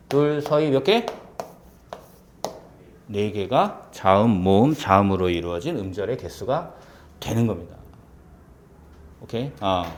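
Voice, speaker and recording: A man's voice: medium pitch, slight background noise. A man teaching a Korean grammar lesson for exam students, often stopping to check that his listeners follow. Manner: lively, asks many rhetorical check questions. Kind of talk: classroom lecture.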